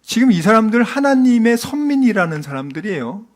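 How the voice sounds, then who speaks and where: Animated high-voiced male preacher. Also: brisk. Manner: animated, acts out quoted voices, loud outbursts. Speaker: pastor. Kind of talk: early-morning sermon.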